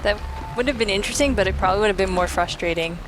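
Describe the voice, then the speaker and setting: A woman's voice: mid-range voice, rapid-fire, background noise. Wry woman doing casual game commentary. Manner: wry, sweary. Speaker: let's play host, player. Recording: game music behind commentary.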